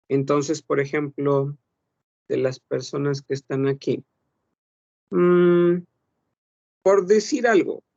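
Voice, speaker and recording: Gravelly man teaching a language class. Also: fairly high pitch, a little mellow, dry recording, lo-fi sound. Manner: explanatory, rhetorical questions, self-correcting. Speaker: French teacher.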